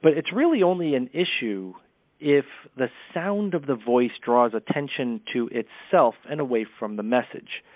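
A man speaking as a speech coach, brisk and candid in his advice. His voice comes through a thin, tinny line that sounds phone-like. The sound is dry and close, with no room around it. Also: mid-range voice, lively intonation, dry recording. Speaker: communication coach. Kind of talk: podcast interview.

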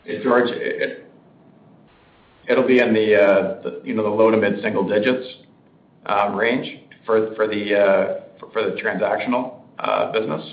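A man answering questions as a company executive on a conference call, in a stiff, halting, careful corporate way. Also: lowish voice, fairly even intonation. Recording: dull, echoey speakerphone conference call.

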